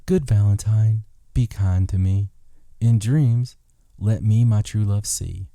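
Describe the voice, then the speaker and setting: A man's voice: lowish voice, slow pace, warm tone, no room sound. A man hosting a podcast, reading out folklore in a casual way with dry, joking asides. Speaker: podcast host.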